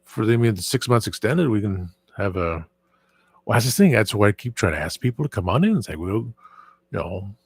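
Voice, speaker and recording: A man's voice: lowish voice, sing-song, fast, husky. A man hosting his own channel in casual, rambling chat, often restarting sentences and trailing off into asides. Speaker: channel host.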